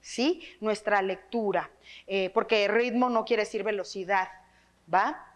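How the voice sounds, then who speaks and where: An unhurried, mid-range voice belongs to a lively Mexican woman teaching a workshop for teachers on reading aloud. Through a microphone she projects a trained voice well, regularly tacking questions onto her phrases to engage the audience.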